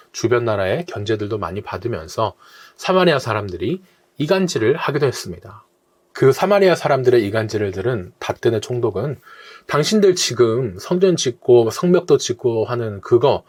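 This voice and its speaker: Lively Korean pastor leading Bible meditation. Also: male voice, fairly low pitch. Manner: lively, rising on phrase openings and dropping at ends; acts out quoted challenges in a brusque voice.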